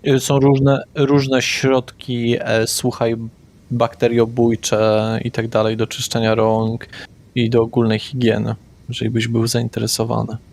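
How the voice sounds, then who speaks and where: A man running a tabletop horror game as game master, narrating in a slow, measured way. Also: medium pitch, monotone, creaky, darkish tone.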